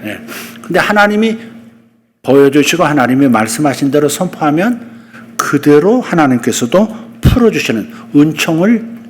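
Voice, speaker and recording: Animated Korean pastor preaching. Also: male voice, a little high, normal speed, long reverb tail. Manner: animated preaching, acting out bold rebukes to the congregation. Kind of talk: sermon.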